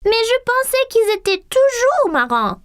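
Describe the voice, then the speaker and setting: A woman voicing a curious, excitable four-year-old boy in a cartoon, eager and full of wonder. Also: extremely high pitch, measured pace, exaggerated voice. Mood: excited. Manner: eager, wide-eyed, bursts of wonder.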